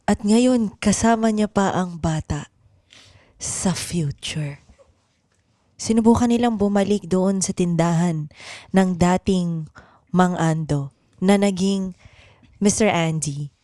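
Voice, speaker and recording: A woman narrating an improvised radio drama with deliberate, suspenseful phrasing. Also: lowish voice, dark tone, no echo, studio quality.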